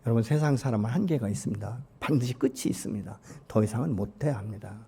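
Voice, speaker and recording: A man's voice: mid-range voice, fast, mellow, slightly rough. A man preaching a Sunday sermon as senior pastor, asking the congregation questions and voicing God's encouraging words. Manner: voices God's encouraging words in quoted asides. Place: church sanctuary.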